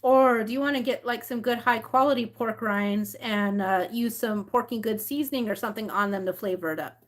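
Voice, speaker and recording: A woman's voice: on the high side, brisk. A woman from Mexico and the rural Southwest hosting a casual livestream, chatty and informal as she thinks aloud. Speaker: livestream host. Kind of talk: casual livestream chat, reading labels aloud and replying to viewers.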